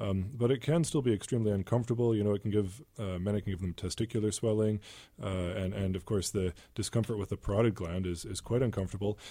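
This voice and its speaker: Talking at a very fast pace, a man uses a fairly low pitch and a dark, mellow tone with ordinary pitch variation, on a very clean recording with a silent background. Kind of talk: casual expert chat. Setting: studio.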